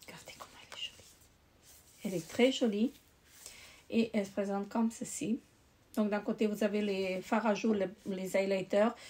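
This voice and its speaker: A woman's voice: medium pitch, flat delivery, normal speed, a little mellow. A woman beauty vlogger chatting casually while showing her makeup, with lots of hesitations and restarts. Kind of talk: casual chat.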